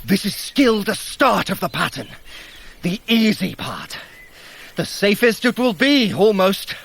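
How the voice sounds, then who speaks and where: An actor playing a sly trickster god in an audio drama, with wry, formal, archaic speech and a creaky voice. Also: male voice, sits high, very animated, measured pace, fairly bright tone, a little hiss or hum, heavily acted.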